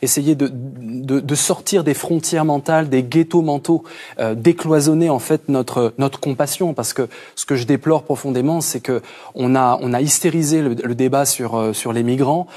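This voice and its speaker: A man's voice: mid-range voice, moderate pace, warm tone. A man, a philosopher invited as a guest, answering questions in a television studio in an earnest, hesitant way with many fillers and restarts. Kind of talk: studio TV interview. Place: TV news studio.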